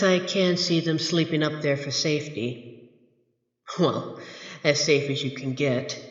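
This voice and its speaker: A man playing a grumpy, haughty monster from under a child's bed in an audio roleplay, speaking in a dry, pompous, deliberate way with exasperated sighs. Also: on the high side, muffled recording. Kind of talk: scripted ASMR roleplay audio drama. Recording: echoey, reverberant room effect.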